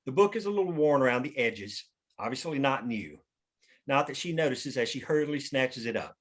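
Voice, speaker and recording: A man's voice: medium pitch, very animated, brisk. A man narrating stage directions at a script table read.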